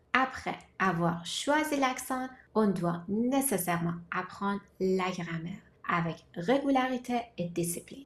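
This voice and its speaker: A woman who learned French as a second language, giving a scripted, measured talk as a language-learning vlogger. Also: medium pitch. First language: not French. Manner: measured, deliberate delivery in short listed phrases. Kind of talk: scripted explanatory monologue.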